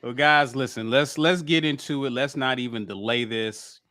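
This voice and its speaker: A man's voice: mid-range voice, sharp tone, no room sound, studio quality. Upbeat man hosting a sports show. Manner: upbeat, rapid show intro with plugs. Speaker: podcast host. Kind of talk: casual sports talk.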